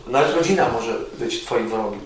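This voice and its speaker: A man preaching an earnest sermon, repeating his calls, rising loud and dropping to near whispers. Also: medium pitch, expressive, normal speed. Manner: earnest, repetitive exhortation with sudden loud rises and soft drops. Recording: very echoey, distant mic with faint noise.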